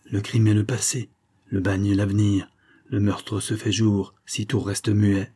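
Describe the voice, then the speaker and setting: A man's voice: mid-range voice, normal speed, warm tone, slightly rough, voice pushed up, natural voice. A man voicing a defiant young gypsy woman who taunts and threatens with ominous prophecy, in an audiobook reading. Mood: taunting.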